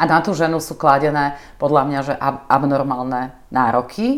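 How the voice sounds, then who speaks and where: A woman with a very deep, low pitch and fairly even intonation. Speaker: podcast host. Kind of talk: interview conversation.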